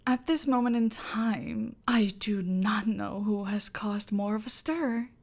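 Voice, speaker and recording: A woman voicing an imperious female cartel boss in an audio roleplay, speaking slowly and measured, often in a whisper. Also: medium pitch, steady tone, a little mellow. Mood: smug. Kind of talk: ASMR roleplay.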